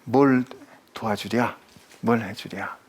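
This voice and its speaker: A pastor voicing Jesus in a low, soft, tender way during a sermon. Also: male voice, fairly even intonation, slow pace, husky. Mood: gentle. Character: calm gentle male teacher figure, Jesus.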